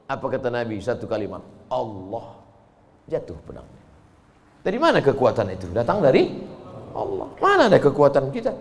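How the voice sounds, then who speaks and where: A man's voice: medium pitch, huge pitch swings, fairly quick, a little hiss or hum. A man preaching a sermon, telling stories dramatically with humorous asides and acting out the voices of the people he quotes.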